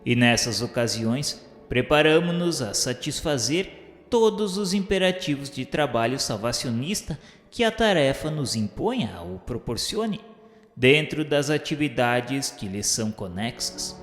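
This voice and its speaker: A man's voice: mid-range voice, expressive, unhurried. A man reads a formal, reverent literary narration in a solemn scripted style. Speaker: narrator of a spiritist radio novela. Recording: echoey reverberant hall sound, music underneath. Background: music.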